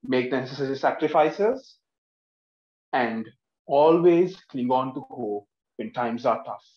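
A man's voice: mid-range voice, lively intonation, a little slow. Earnest young man giving a speech. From Sri Lanka. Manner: earnest and emphatic, gesturing with both hands. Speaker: speech contestant. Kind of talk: prepared public speech. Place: living room at home. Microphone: laptop camera across the room, headphones on. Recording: echoey room, dull lo-fi sound.

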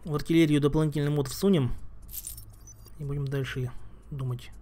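A man's voice: a little high, steady tone, normal speed, mellow, slight background noise. Man muttering over a strategy game. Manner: thinking aloud, with restarts and muttered asides. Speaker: game streamer. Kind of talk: casual gameplay commentary.

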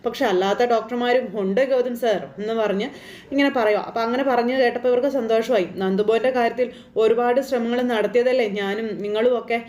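A woman's voice: a little high, steady tone, fast talker, a little mellow, echoey room. A woman chattily retelling a TV serial episode, rambling with fillers and tag words. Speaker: serial recap narrator.

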